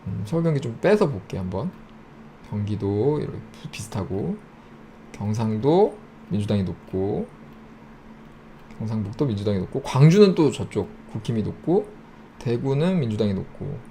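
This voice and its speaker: Gravelly man talking through data. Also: fairly low pitch, sing-song, mellow, a little hiss or hum. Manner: thinks aloud, lists regions in quick clipped phrases. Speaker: YouTube host. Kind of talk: casual screen-share data walkthrough.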